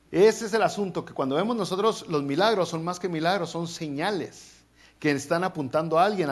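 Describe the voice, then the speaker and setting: A man preaching a sermon as pastor, animated, with playful asides and mock voices. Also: on the high side.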